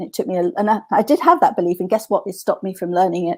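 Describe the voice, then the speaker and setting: A woman at a medium pitch in a very clean recording with a silent background. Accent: English. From England, raised in Spain. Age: 50s. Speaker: maths educator. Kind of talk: solo talk show monologue. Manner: halting.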